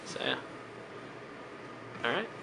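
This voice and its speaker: A man interviewing a student, asking questions in a relaxed, halting way. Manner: casual and hesitant, many ums. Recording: steady air-conditioning hum.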